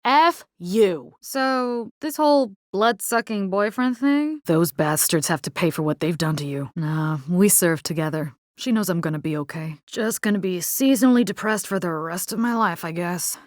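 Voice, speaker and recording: An actress as a brash Latina vampire-fighting engineer, dry close sound. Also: female voice, lowish voice, animated, normal speed, hardly any pauses, no echo, natural voice. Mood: weary, sardonic. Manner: brash, teasing, slangy with Spanish interjections. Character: tough, wisecracking young female robotics engineer fighting vampires. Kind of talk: video game character voice lines.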